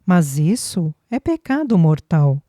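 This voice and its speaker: A young, emotional mother, defensive and pleading, as a woman narrator voices her. Her words come slowly in a dark, mellow tone. It is an audiobook dialogue role. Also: fairly low pitch, very animated, dry recording, studio quality, heavily acted.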